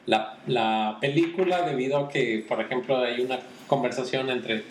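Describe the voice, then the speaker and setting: A man talks films in a casual, halting way, often restarting as he searches for words. His voice sits at an ordinary middle pitch. The room is echoey, with a faint hiss of noise behind him. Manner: hesitant, restarts often, relaxed. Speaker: podcast co-host, film commentator. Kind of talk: casual chat. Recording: roomy echo with faint background noise.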